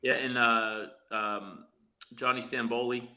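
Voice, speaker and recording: A man's voice: medium pitch, steady tone, slow pace, pushed and bright. A man reminiscing in casual conversation as a guest on a podcast. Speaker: podcast guest, former wrestler.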